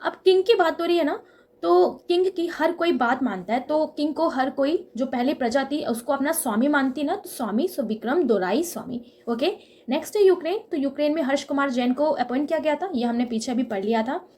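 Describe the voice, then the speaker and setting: A young woman with a high voice teaches an exam-prep lesson built on memory tricks. She explains each trick step by step, checks in often with the listener, and draws out key words to make them stick. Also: fairly quick, a little mellow.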